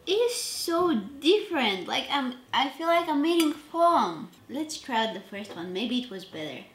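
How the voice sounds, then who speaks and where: A woman's voice: a little high, moderate pace, echoey room, faint music behind. A woman with a manner, chatting casually and self-deprecatingly while cooking for a vlog. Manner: chatty, self-deprecating, trails off mid-sentence. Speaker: cooking vlogger. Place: home kitchen.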